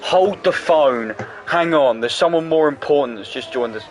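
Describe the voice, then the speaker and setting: A man doing casual, jokey commentary on an online racing league, full of quick asides. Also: fairly high pitch, expressive, noisy background. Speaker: race commentator.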